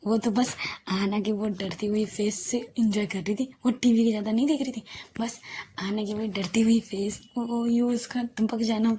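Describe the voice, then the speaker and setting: Woman, audio love story narrator, conversational, hushed in tender parts, mid pitch, faint hiss. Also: steady tone, moderate pace.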